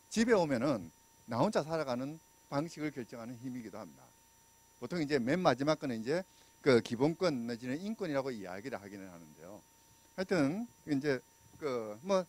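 A man's voice: a little high, darkish tone. A middle-aged man from Busan giving a public law lecture with a handheld mic, talking conversationally and putting questions to the audience. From Busan, South Korea. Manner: conversational, asks the audience questions, many fillers; gestures and walks while talking. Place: small lecture room indoors.

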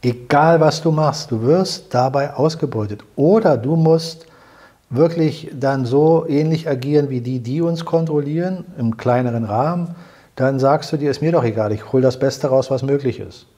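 Warm and mid-range at a moderate pace, an older man hosts an indoor salon conversation beside a living-room fireplace. He earnestly explains his points, repeating words as he gropes for them.

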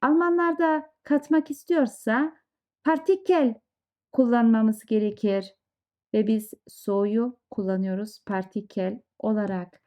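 A woman's voice: fairly high pitch, fairly even intonation, slow pace, a little mellow. A woman teaching a language lesson, explaining example sentences with conversational asides. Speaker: German teacher. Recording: dull lo-fi sound.

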